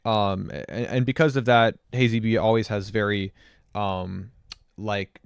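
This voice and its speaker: Rambling man reviewing music, smooth voice. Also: fairly low pitch, fairly even intonation, measured pace, dry recording. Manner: rambling, many fillers and restarts. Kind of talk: casual livestream music review.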